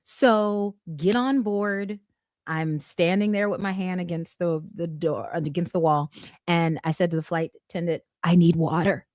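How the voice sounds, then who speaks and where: A middle-aged woman telling a lively story as a guest in a casual podcast chat, with sudden bursts of excitement. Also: lowish voice, a little slow, no room sound, studio quality. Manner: animated, vivid retelling with bursts of excitement.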